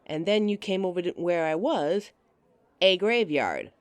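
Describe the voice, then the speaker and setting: A voice actress in an audio roleplay plays a giggly, teasing date, speaking to the listener in a friendly way and laughing often. Her fairly low voice is animated and a little slow, recorded with no room sound.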